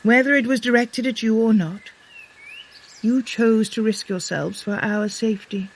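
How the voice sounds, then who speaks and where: A woman's voice: a little high, steady tone, slight background noise, natural voice. Woman acting grave, gracious goddess. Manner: measured, solemn formal diction. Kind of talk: scripted audio fitness adventure drama.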